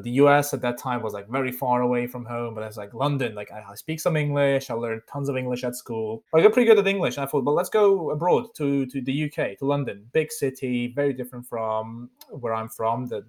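A man's voice: mid-range voice, darkish tone. A man in his thirties from Switzerland, whose first language is Bosnian, talking reflectively as a podcast guest and often restarting his sentences. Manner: reflective, many fillers and restarts. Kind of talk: casual interview chat.

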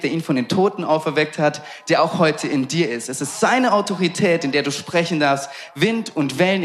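Fervent young preacher man, highish voice. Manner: fervent, repeated rhetorical questions; casual interjections of "hey". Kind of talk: sermon.

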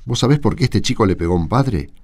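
A man's voice: on the low side, lively intonation, fast talker, a little mellow. A man with an Argentine accent acting an indignant, argumentative catechism teacher in a radio drama. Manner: argumentative, emphatic. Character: indignant male catechism teacher defending a bullied pupil.

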